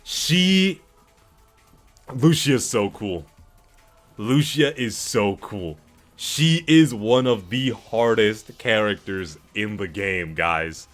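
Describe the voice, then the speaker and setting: A man with a fairly low-pitched voice is livestreaming his reactions. He talks casually to his chat in an animated, slangy way. He swears freely as he gives his commentary. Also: slow pace, soft background music. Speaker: streamer reacting to game cutscenes.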